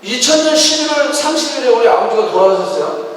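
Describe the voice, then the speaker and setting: Woman pastor, middle-aged, sermon, shouted emphasis and hushed asides, long church reverb. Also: a little high, expressive, fast, a little hiss or hum. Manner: swings between shouted emphasis and quiet asides. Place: large church hall. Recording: echoey hall from far off.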